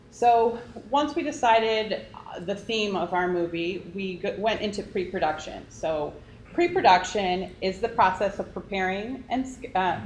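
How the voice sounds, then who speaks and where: A woman who grew up in Israel, giving a prepared presentation with frequent ums and pauses. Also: mid-range voice. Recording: echoey room, faint noise.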